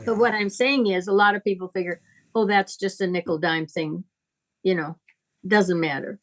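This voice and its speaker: In a steady, mid-range voice, a woman talks like a spiritual teacher: conversational, deliberate, emphatic, and inclined to moralize.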